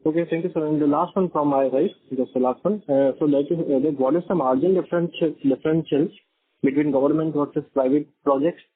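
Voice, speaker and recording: A man's voice: a little high, fairly even intonation, fast, husky, dry recording. A man, asking questions as an investor on an earnings call. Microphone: phone call. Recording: dry, thin phone line.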